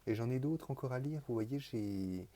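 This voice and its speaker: A man talking casually and off the cuff in a vlog, presenting his books. He rambles and hesitates, repeats words and restarts, with an earnest, softly enthusiastic tone. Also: mid-range voice, moderate pace. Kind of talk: casual, improvised monologue.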